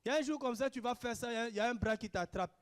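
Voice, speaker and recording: Very high-voiced, fiery preacher. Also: male voice, rapid-fire. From Africa. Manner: impassioned, swings between shouted declarations and hushed asides. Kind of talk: sermon answering questions.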